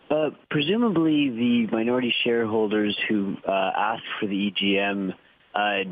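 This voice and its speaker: A man calling into a conference call, putting questions in a polite, deliberate way. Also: fairly low pitch. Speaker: caller asking questions. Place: phone call. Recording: tinny phone line.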